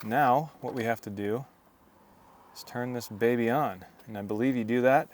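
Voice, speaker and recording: A man's voice: mid-range voice, normal speed. A man vlogging in a casual, chatty way, explaining things informally as he does a hands-on demo. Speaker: vlog host.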